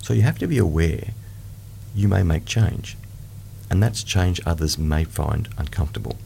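A middle-aged man leading a guided meditation in a soft, hushed, soothing delivery. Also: low-pitched, normal speed, gravelly, slight background noise.

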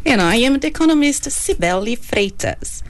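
A woman's voice: on the high side, expressive, moderate pace. A woman presenting conversationally as a radio co-host.

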